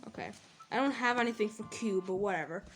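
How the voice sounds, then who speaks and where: A woman talking casually over her gameplay as a gaming channel host, chatty and rambling, quick to laugh and exclaim. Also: mid-range voice, a little hiss or hum.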